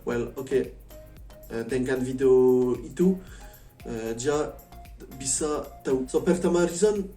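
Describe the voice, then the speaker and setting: French man speaking halting foreigner's Indonesian, echoey. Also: medium pitch, dark tone. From France. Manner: foreigner speaking halting learner's Indonesian, often switching into English. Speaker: vlogger. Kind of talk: casual chat to camera. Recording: echoey room, distant mic, faint music.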